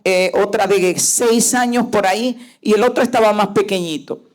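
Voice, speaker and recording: A woman pastor preaching a sermon, emphatic and full of rhetorical questions to her listeners. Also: on the high side.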